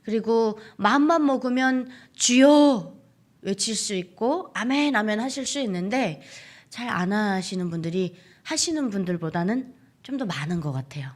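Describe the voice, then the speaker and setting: A young woman from North Korea giving an earnest church testimony, speaking straight to the congregation and sometimes dropping to a hushed whisper. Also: mid-range voice, animated, normal speed. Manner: earnest, addresses audience often, drops to a hushed whisper.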